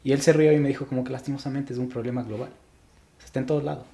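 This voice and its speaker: A man's voice: mid-range voice, fairly even intonation, very fast, creaky, warm tone. A young man from Ecuador, a podcast guest, talking reflectively in casual interview chat with frequent restarts.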